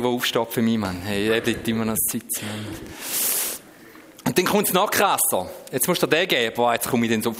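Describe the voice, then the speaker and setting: A middle-aged Swiss man with a Swiss German accent tells his own story to an audience. His voice is mid-pitched and lively, rising and falling a great deal as he moves from quiet asides to sudden outbursts. The sound carries a long echo from a large hall. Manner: animated storytelling, swinging from hushed asides to sudden shouts. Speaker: speaker giving a personal testimony. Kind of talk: personal testimony to an audience. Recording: reverberant hall.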